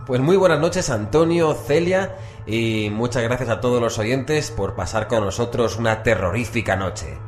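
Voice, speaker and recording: A man's voice: mid-range voice, normal speed, faint music behind. A man co-presenting a horror radio show with scripted announcements.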